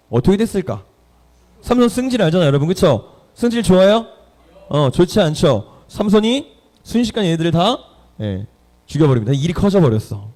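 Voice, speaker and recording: A man preaching to teenagers in a lively way, putting questions to his listeners. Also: fairly high pitch. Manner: lively, quizzes the audience. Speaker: youth pastor. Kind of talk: sermon to teenagers. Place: church hall.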